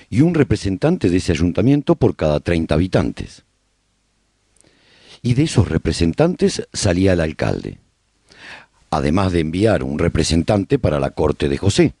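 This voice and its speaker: Low, husky male survivor narrating , voiced by an actor. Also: dark tone, no room sound, studio quality, full character voice. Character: male survivor recounting life after a zombie apocalypse. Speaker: narrator of a serial radio drama. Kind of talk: scripted first-person radio drama narration.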